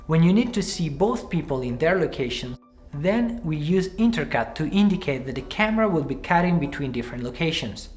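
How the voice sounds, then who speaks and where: A man in his thirties presenting a scripted screenwriting tutorial to camera from a small room, speaking in a clear, measured way. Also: fairly high pitch, expressive, faint music behind. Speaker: screenwriting teacher. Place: small room with cards pinned on the wall.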